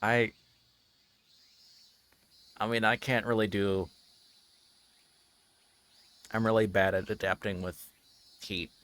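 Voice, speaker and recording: A man's voice: on the low side, steady tone, slow pace, long pauses, fairly bright tone. A man livestreaming a visual novel, chatting casually and reading aloud, sometimes stumbling over his words. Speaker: streamer.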